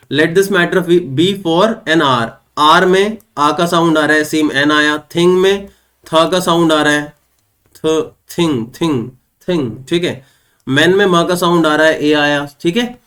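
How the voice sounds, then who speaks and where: Fairly high-voiced man teaching English grammar. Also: a bit bright. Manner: explains step by step, asks and answers his own questions; reads English example sentences slowly and clearly. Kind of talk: online exam-prep lesson.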